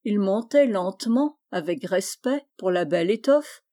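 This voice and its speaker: A woman narrating a classic children's novel as an audiobook, with steady, measured reading. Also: medium pitch. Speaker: audiobook reader. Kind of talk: scripted narration.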